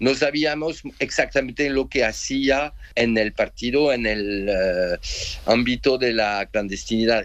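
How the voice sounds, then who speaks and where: At a very slow pace, a man with a French accent speaks at a medium pitch with ordinary pitch variation. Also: very even loudness. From France. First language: French (speaking Spanish). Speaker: journalist and exhibition curator. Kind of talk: radio interview. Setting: remote call from Paris. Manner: halting.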